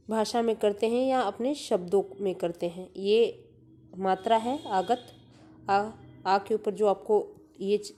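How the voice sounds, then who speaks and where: A woman teacher giving an online lesson to young children, reading out words slowly and clearly for pupils. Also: mid-range voice, dark tone.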